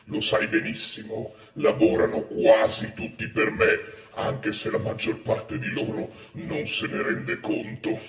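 A man's voice: fairly low pitch, lively intonation, measured pace, vocal fry, few pauses. A man playing a smug devil on speakerphone. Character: sly sardonic male devil calling from below. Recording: echoey speakerphone sound.

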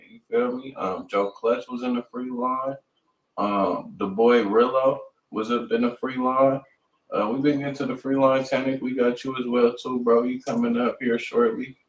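A man's voice: mid-range voice, steady tone, normal speed. A man with an American accent chatting casually in slang as host of a livestreamed music show. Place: indoor room on a livestream. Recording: echoey, distant mic, faint noise.

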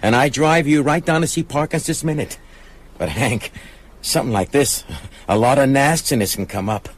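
A man's voice: mid-range voice, moderate pace, a little hiss or hum, close to an everyday voice. An actor in a radio drama playing a manipulative small-town businessman with an insinuating, coaxing manner. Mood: veiled threat.

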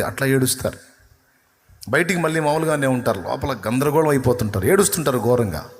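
A man preaching a sermon, retelling a scripture story and acting out its dialogue with shifting intensity. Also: mid-range voice. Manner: storytelling, acts out quoted dialogue with rising and falling intensity. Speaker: pastor. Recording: long hall reverb.

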